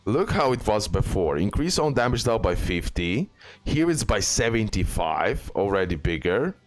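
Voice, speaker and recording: A man with a low-pitched voice talks through gaming news as a content creator would. His delivery is informal and halting, with frequent fillers and little check-in tags as he goes. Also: sing-song, soft background music. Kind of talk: casual gaming news commentary over on-screen images.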